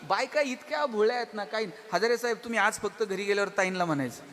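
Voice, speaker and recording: A man giving an animated motivational stage speech, telling humorous stories and speaking straight to the audience. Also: high-pitched, fast talker. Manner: animated, addresses the audience directly. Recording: long hall reverb with faint music.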